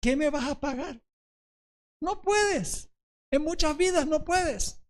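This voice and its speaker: Preacher putting on stern old-style master, scolding questions, low-ish. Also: male voice, slow. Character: stern wealthy master judging a debtor.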